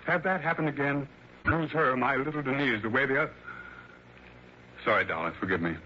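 A man's voice: mid-range voice, brisk, slight background noise, lightly acted. An actor playing a wealthy male mystery author in his late fifties, gushing and hesitant with fillers, in a 1960s radio drama. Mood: brooding. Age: 50s. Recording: dull lo-fi old radio broadcast.

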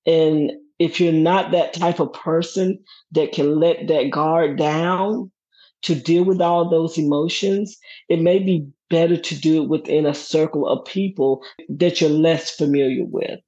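Middle-aged woman, lively storyteller, dull sound. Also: low voice, a little slow, husky. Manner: lively, laughs often, acts out quoted voices. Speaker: guest. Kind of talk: personal storytelling. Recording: dull lo-fi recording.

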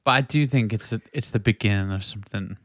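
A podcast host with a lowish, fairly bright voice talks quickly in a casual, rambling chat about music, often checking whether listeners agree. The recording is clean studio sound with no echo.

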